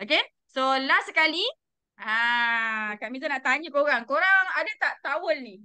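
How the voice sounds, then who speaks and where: A woman's raised, projected voice, high in pitch, with a bright, sharp tone, lively intonation and a fairly slow pace. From Johor, Malaysia. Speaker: direct-sales team leader. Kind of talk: motivational sharing on video call.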